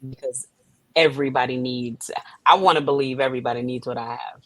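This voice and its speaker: A woman's voice: a bass voice, steady tone, fairly quick, fairly bright tone, no echo, low-quality recording. A woman guest talking conversationally in an interview, earnest and emphatic. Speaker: playwright and director, guest.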